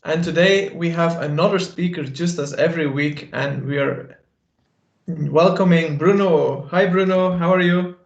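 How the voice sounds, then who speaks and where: A man hosting a live online talk, introducing the guest in an informal, halting way. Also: fairly high pitch, vocal fry. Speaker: host. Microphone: video call. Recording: roomy, dull online call audio.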